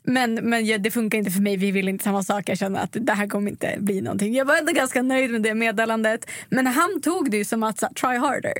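A young woman co-hosting a casual podcast, telling a story with lively acted-out quotes. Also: a little high, hardly any pauses, no room sound. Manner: animated storytelling, acting out quotes. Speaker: podcast co-host.

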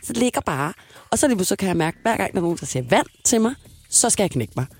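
A young woman co-hosting a radio show, telling an embarrassing story in an animated, laughing way. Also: medium pitch, husky, no room sound. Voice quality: lively, animated, laughs a lot. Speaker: radio co-host. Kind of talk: casual storytelling chat.

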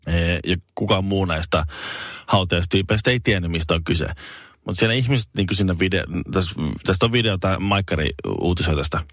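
A man's voice: dry recording, clean studio sound. A man co-hosting a casual chat show, telling stories with lots of fillers and sudden comic voices. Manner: animated storyteller, hesitant fillers, jumps into high comic voices. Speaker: podcast co-host.

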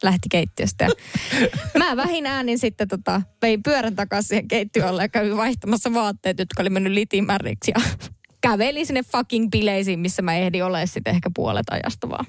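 A woman on a panel show telling a self-mocking childhood story in a casual, animated way. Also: medium pitch, dry recording, clean studio sound.

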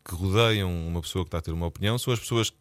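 A man's voice: deep voice, very fast, no echo. A Portuguese man with a European Portuguese accent, a musician guest in a radio interview, talking hesitantly and thinking aloud with many restarts. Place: radio studio.

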